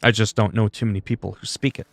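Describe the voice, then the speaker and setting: A man's voice: lowish voice, steady tone, fast, dry recording. A man whose first language is French, chatting casually with viewers on a gaming livestream, opinionated and talkative. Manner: chatty, opinionated, talks to chat. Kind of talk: casual livestream chat while playing.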